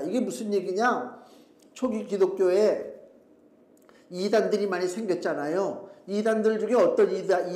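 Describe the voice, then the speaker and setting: A man's voice: high voice, a little mellow. Emphatic male pastor in an echoey church. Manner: conversational and emphatic, many rhetorical questions. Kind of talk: sermon. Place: church sanctuary.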